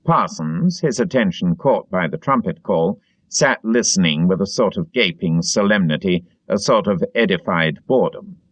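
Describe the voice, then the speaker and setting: Expressive, lower-pitched male audiobook narrator. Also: normal speed, no echo. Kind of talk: scripted literary narration.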